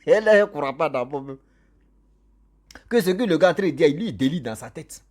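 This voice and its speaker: A man's voice: a little high, expressive, brisk, darkish tone. A man telling a ghost story casually, laughing often and acting out the people in it.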